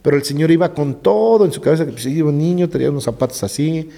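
A middle-aged man with a Mexican accent, a gravedigger telling ghost stories in a lively way, often dropping into hushed tones. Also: quick pace, vocal fry. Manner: vivid storyteller who sinks into hushed low tones. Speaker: gravedigger guest. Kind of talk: animated ghost-story telling in conversation. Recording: roomy reverb.

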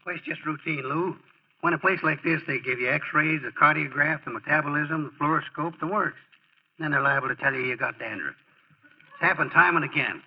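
An actor playing a loyal, folksy newspaperman pal in a 1940s radio drama, with a husky voice and colloquial talk. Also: on the high side, fairly quick. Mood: breezy reassurance. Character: loyal, breezy newspaperman pal, grown man, anxiously reassuring. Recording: muffled old radio broadcast.

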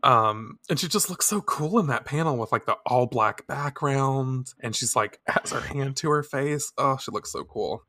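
Bright, animated man gushing in casual chat. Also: medium pitch, unhurried, no room sound, studio quality. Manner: gushing, laughs often, swears casually. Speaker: podcast co-host. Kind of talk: casual chat reading a manga aloud.

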